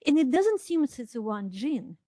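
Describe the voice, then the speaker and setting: A woman's voice: sits high, big pitch swings, unhurried, warm tone, no room sound. Woman from Kazakhstan giving a science lecture. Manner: explanatory, non-native grammar, frequent restarts. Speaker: research lecturer. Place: lecture room.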